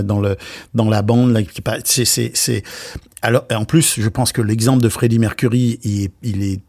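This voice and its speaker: A man co-hosting a podcast in casual chat, animated and joking, with many restarts. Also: mid-range voice. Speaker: podcast co-host.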